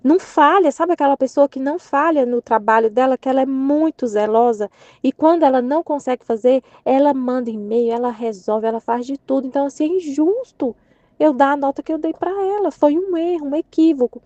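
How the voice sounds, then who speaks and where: A woman's voice: high voice, fairly quick, a little mellow, no echo, lo-fi sound. A woman sharing a casual religious reflection in a conversational way, restarting her sentences and acting out quoted speech. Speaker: catholic channel presenter.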